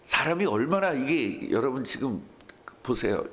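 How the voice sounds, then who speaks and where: A man's voice: mid-range voice, moderate pace. A male pastor preaching a sermon, telling stories and acting out the voices of the people in them. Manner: animated storytelling with acted quotes.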